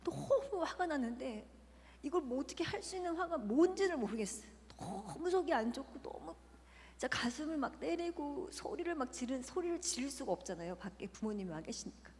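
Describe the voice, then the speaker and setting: A woman's voice: sits high, very animated, brisk, a little mellow, slight background noise. A woman, a church deaconess, giving an emotional personal testimony in a large church hall, earnest and often sinking to a near whisper. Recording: long church-hall reverb.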